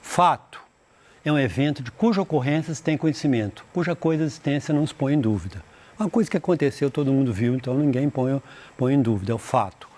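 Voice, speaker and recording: A man teaching an English lesson in Portuguese, reading English passages slowly, translating them, and often restarting his sentences. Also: medium pitch, darkish tone. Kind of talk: recorded school lesson.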